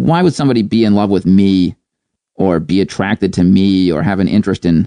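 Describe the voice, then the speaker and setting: A man with an American accent speaks in a very deep, low voice with ordinary pitch variation, the sound dry and close with no echo. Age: 40s. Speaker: musician and comic book artist. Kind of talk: casual interview. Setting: guest's apartment. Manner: halting.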